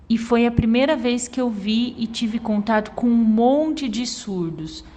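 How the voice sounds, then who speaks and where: A woman with a Brazilian Portuguese accent, interpreting aloud and retelling a signer's story in the first person at a steady pace. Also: medium pitch. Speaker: sign language interpreter.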